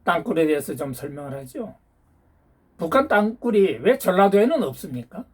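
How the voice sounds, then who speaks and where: A YouTube channel host rants through a political monologue, scolding his viewers and hammering them with challenging rhetorical questions in a lecturing, hectoring tone. His husky voice sits a bit high and leaps up and down with lively pitch at a moderate pace.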